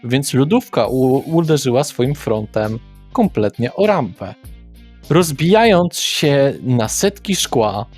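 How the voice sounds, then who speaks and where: A man narrating a tabletop game as game master, describing scenes slowly and deliberately, with hesitant pauses. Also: mid-range voice. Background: faint background music.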